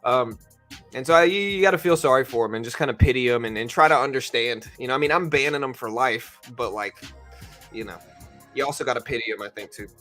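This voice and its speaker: A man hosts a livestream from home, tired and just out of bed, rambling in a loose, laid-back way. His voice has a bright, forceful edge even when he trails off. Faint music plays behind him. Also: medium pitch, fast talker. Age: adult with a daughter. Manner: laid-back, rambling, says bro and you know a lot. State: just woke up, tired, voice deeper than usual. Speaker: livestream trading host. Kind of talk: casual livestream chat. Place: home in Texas.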